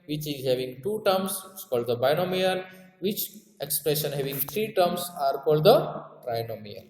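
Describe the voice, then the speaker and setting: A man's voice: on the high side, animated, moderate pace, darkish tone. A man with a South Asian accent teaching a maths lesson, repeating key terms and checking understanding with tag questions. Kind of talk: classroom lesson explanation. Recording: echoey room with long reverb.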